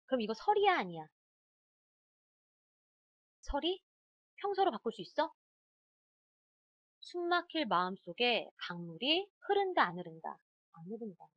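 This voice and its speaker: A woman teacher leads an exam-prep lesson, speaking straight to her students and firing quick questions at them. Her voice sits fairly high and swings widely in pitch. The sound is dry and close, with no room echo. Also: muffled recording. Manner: animated, talks straight to students, quick quizzing asides. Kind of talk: online exam-prep lecture.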